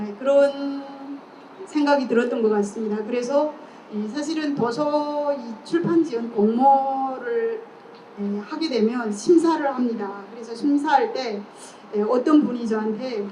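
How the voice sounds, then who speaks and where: With a North Korean accent and a high pitch, a woman speaks at a very slow pace with ordinary pitch variation and big swings in loudness, amid audible room echo and noticeable background noise. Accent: North Korean dialect, ingrained. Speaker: author, essayist. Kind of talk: book talk conversation. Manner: hesitant, many fillers.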